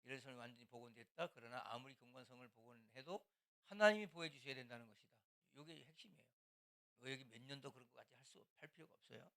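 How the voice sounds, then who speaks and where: This older pastor's medium-pitched voice moves quickly, carrying vocal fry and a fairly bright tone. He teaches church small-group leaders in an easygoing, conversational way, now and then slipping into acted-out scolding lines.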